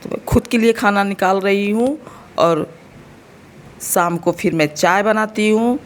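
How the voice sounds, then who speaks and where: A woman in her thirties vlogs casually from home, her mid-range voice keeping a measured pace. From India, she speaks with an Uttar Pradesh Hindi accent and a slightly sore throat, chatting to viewers directly and explaining as she goes.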